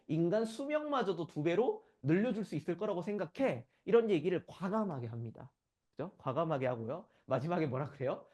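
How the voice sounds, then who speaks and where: A man from the Gyeongsang region delivers a conference lecture in a voice pitched a bit high that swings up and down with lively energy. He keeps turning to the audience for agreement. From Gyeongsang region, South Korea. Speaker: conference speaker.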